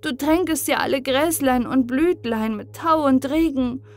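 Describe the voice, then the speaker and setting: A woman's voice: sits high, a little slow, a little mellow, pitched above the performer's own voice. A woman voicing a frightened, pious young boy who pleads in tearful prayer, in an audiobook reading. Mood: pleading.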